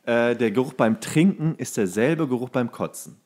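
A man's voice: mid-range voice, expressive, normal speed, a little mellow. A man co-hosting a podcast, telling anecdotes in a casual, blunt, slangy way. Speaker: podcast co-host. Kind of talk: casual chat, bar anecdotes.

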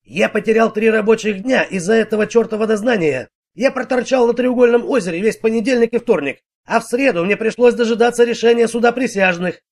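A short-tempered, middle-aged working man who bristles at every question, as a male reader plays him. He is gruff and defensive and pitched fairly high. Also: brisk. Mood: irritated.

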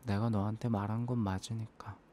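Man, ASMR role-play, remorseful boyfriend, soft hesitant murmur, very even intonation, noticeable background noise. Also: on the low side, brisk. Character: apologetic, self-blaming young boyfriend murmuring to sleeping girlfriend.

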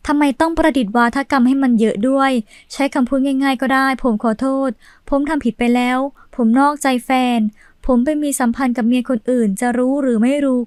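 A woman with a high voice reads viewer comments aloud as the channel's host. Her delivery is steady, with a brief pause before each new comment. The sound is dry and close. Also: dry recording.

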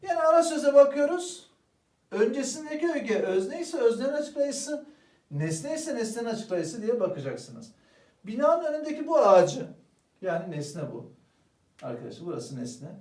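An extremely high-pitched man speaking at normal speed teaches exam-prep grammar as a Turkish language teacher. Calling his students "arkadaşlar," he keeps an animated tone and answers the very questions he asks. He's recorded from afar, a little off the mic, in an echoing room.

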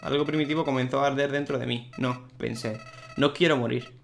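A creepy talking flower with no feelings left, once a little boy, as a gamer reads him out, medium-pitched and plain, told like a story, faint game music behind. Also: fairly even intonation, brisk, vocal fry, lightly acted. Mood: somber.

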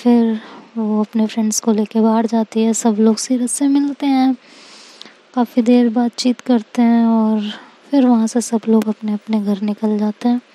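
Woman storyteller, casual retelling, higher voice, mellow tone. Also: little pitch movement, normal speed, poor audio. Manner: chatty retelling with many "so she says" links.

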